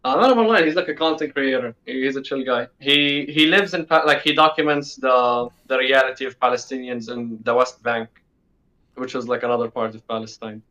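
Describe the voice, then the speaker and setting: A man's voice: medium pitch, fairly quick, pushed and bright. A sixteen-year-old male interview guest from the United Arab Emirates, talking casually and repeating himself for emphasis, over dull call audio. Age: teens, sixteen.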